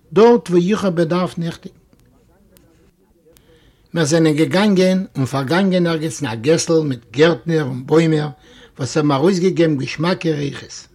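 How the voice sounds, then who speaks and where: A man reads a classic story aloud in a fairly high voice. His telling is expressive, and it rises into animated exclamations when the characters grow heated. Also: slightly rough. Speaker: reader.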